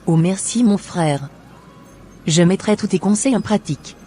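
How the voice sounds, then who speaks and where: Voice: mid-range voice, measured pace, mellow, a little hiss or hum, close to an everyday voice. A voice actor playing a remorseful unfaithful woman in a Christian cartoon, who speaks in a pleading, contrite way.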